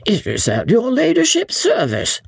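An honest male innkeeper from a storybook, as a woman narrator puts him on, worried and deferential. The voice is husky and creaky, raised in pitch and eager to please. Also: wildly swooping pitch, normal speed, no echo, studio quality, heavily acted.

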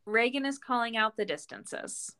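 A woman co-hosting a podcast with casual, chatty recapping of a TV show, quick to giggle. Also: on the high side, expressive, pushed and bright, clean tone. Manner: giggly, breaking into laughter often. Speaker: podcast co-host.

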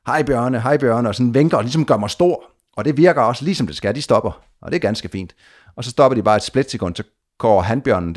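A man with an ordinary mid-range voice tells a long travel story in casual conversation. He keeps it animated, restarting sentences and doubling up words as the tale rolls on. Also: medium pitch. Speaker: guest adventurer telling a trip story.

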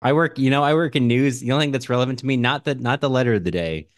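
A man's voice: mid-range voice, racing, no room sound, studio quality. A man co-hosting a podcast in a casual, conversational style, discussing books and listener comments. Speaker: podcast co-host.

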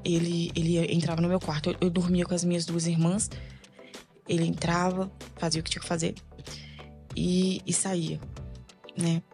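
A woman with a Brazilian Portuguese accent, a podcast guest telling a personal faith testimony in a halting, soft-spoken, emotional way. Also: on the low side, little pitch movement, soft background music.

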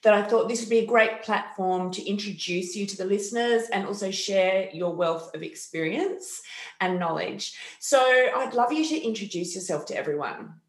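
A woman hosting an interview podcast, enthusiastic and quick with her follow-up questions. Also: mid-range voice. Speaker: podcast host. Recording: roomy echo.

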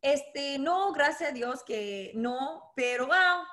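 A woman being interviewed as a boxing coach, talking in halting bursts with restarts and dropping in English words. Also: sits high, lively intonation, pushed and bright. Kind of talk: conversational interview.

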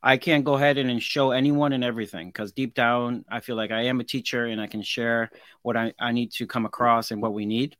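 A man in his forties speaks as a guest on a podcast, earnest and reflective, often restarting a sentence before going on. His voice is bright and forceful, at a middle pitch. The sound is dry and close, with no room around it. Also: fairly even intonation, a little fast, clear, resonant tone, no echo. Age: 40s. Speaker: guest craftsman. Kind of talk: casual interview chat.

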